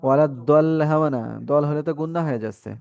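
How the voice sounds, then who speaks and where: A man's voice: fairly high pitch, fast talker, a little mellow, clean tone, dull audio. A man teaching a Quran reading class, patiently spelling out letters and vowel marks and stretching the syllables as he has the students repeat. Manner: asks the class questions and has them repeat. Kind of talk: Quran recitation lesson.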